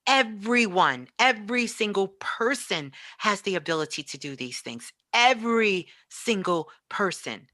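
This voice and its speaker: A woman speaks as a spiritual teacher in a bright, forceful voice. The sound is dry, and she drives her points home emphatically, repeating phrases as she motivates the listener. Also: mid-range voice, animated, measured pace, hardly any pauses, no echo. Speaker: spiritual teacher and show host, as guest.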